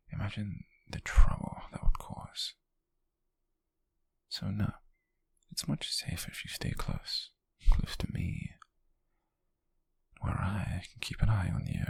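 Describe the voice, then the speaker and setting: A possessive, softly menacing wealthy British captor, acted by a man for an ASMR roleplay. His low voice is heavily fried and breathy, often dropping toward a whisper. He speaks slowly and coaxingly, with long pauses, close and dry on the microphone. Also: dry recording, heavily acted. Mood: coaxing menace. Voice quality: breathy, husky, gravelly murmur. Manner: slow, deliberate, coaxing, lingering pauses.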